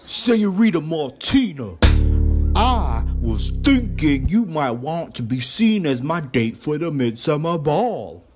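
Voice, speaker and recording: A woman's voice: low voice, sing-song, slow pace, music in the background, heavily acted. A woman playing a cocky macho rooster suitor in an audio play, full of himself and swaggering. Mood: cocky wooing. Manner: swaggering, crowing. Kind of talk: audio theatre acting.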